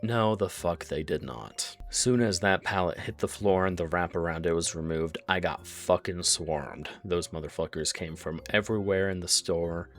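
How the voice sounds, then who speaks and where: A man's voice: low-pitched, normal speed, few pauses, a bit bright, soft background music. A young man with a cold telling a crude, sarcastic story about his old job, swearing often. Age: young adult. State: has a cold. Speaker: storytime narrator. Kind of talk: casual storytelling.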